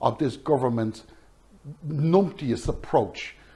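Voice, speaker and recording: In an Irish accent, a man with a fairly high pitch and a dark, mellow tone talks with lively intonation and a somewhat breathy quality. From Ireland. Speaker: political commentator. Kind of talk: political commentary vlog. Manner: animated.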